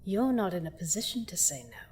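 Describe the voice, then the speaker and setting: A woman's voice: fairly low pitch, sing-song, fairly quick, darkish tone. A woman playing a seductive, gloating vampire queen in a fantasy audio drama, theatrical and mock-sweet as she menacingly toys with her captive. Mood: quiet menace. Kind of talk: scripted roleplay audio drama monologue.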